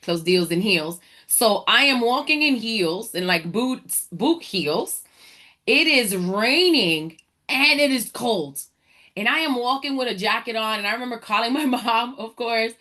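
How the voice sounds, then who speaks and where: A woman's voice: fairly high pitch, animated, measured pace, pushed and bright. A woman from the Dominican Republic hosting a motivational faith talk, speaking energetically and preacherly and addressing listeners as y'all. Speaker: podcast host, entrepreneur.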